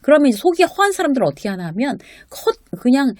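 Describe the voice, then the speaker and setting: A woman's voice: high-pitched, big pitch swings, quick pace, a little mellow, no echo, studio quality. A middle-aged woman hosting a casual spoken lecture on self-management, talking conversationally to viewers with rhetorical questions and acted-out examples. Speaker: workplace lecturer and host.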